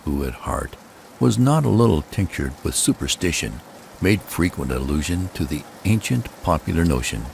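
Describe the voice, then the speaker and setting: A man with a gravelly, husky voice narrating a gothic horror tale in the first person, with dramatic, deliberate phrasing. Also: low-pitched, a little mellow.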